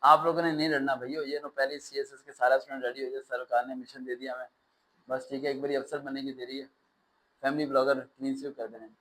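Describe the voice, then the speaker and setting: A man teaching a test-prep class, lecturing in an animated way with sarcastic, ranting asides. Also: mid-range voice, fast talker, low-quality recording.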